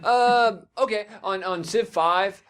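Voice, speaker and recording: High-pitched, foul-mouthed man bantering. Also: takes it slowly, a bit bright, clear, resonant tone. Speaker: podcast host. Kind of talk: casual chat, playing a word-guessing game.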